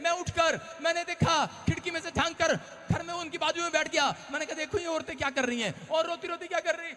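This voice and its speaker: A man preaching a sermon as a pastor, shouting and acting out scenes as he tells stories. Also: very high voice, fairly even intonation, fast. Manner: shouting, dramatic storytelling. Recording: long hall reverb.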